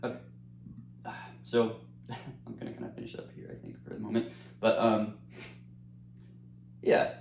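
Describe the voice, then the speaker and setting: A young man with a fairly low voice chats loosely while eating, full of fillers and restarts, sometimes talking through a mouthful. He sits in an echoey room at home, with a faint hum underneath. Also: monotone, a little slow, vocal fry, long pauses, a little mellow. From United States. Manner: rambling, with frequent fillers and restarts. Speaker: eating-channel creator. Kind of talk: casual chat while eating.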